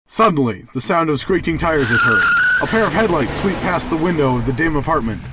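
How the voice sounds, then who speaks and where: A man's voice: on the high side, lively intonation, a little fast, background noise. A young man reading scripted narration for an amateur radio play. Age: teens or young adult. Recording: amateur recording with music underneath.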